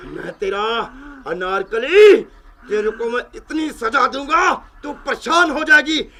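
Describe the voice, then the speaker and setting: A pompous holy man blusters at a spirit with booming threats and grand titles, as an actor plays him. His voice sits very high and piercing, and he spells out each threat slowly. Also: expressive, pushed and bright, heavily acted. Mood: blustering. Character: pompous male exorcist, boastful and theatrical.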